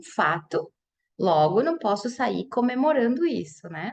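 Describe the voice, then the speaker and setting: At a fairly slow pace, the speaker uses very wide pitch swings with a southern Brazilian accent. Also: woman. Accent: Gaúcho accent, noticeable. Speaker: integrative therapist and teacher. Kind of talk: spiritual talk in online group meeting.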